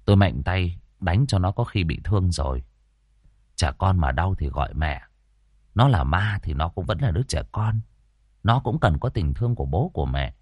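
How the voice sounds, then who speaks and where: A man voicing a calm, gruff young ghost-hunter who speaks low and steady in a storybook reading. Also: no echo, lo-fi sound. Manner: low, unhurried, dry reassurance.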